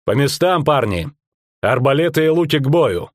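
A man's voice: medium pitch, fairly quick, no room sound, clean studio sound, lightly acted. A man voicing a fierce woman mercenary captain. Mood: commanding. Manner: commanding, blunt. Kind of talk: audiobook character voicing.

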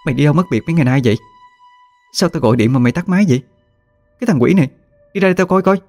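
A man's voice: mid-range voice, rapid-fire, warm tone, faint music behind, pitched above the performer's own voice, lightly acted. A man voicing a worried young woman, scolding urgently.

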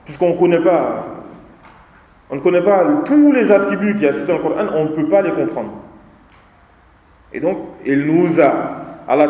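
Emphatic high-voiced man lecturing in a hall. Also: a little mellow. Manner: emphatic, repeats phrases for students. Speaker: Islamic teacher. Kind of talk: seminar lecture. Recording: echoey hall.

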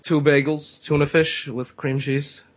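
A man's voice: on the high side, level tone, unhurried, highs cut off. A young man playing a brash, pushy older Jewish man from New York with a New York accent. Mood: pushy, indignant.

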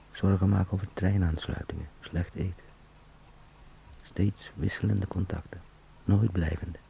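An actor playing an anxious travelling salesman turned helpless beetle in a halting, introspective radio drama monologue that drifts into whispers. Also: low-pitched, vocal fry, phone-quality sound, a little hiss or hum. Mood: resentful.

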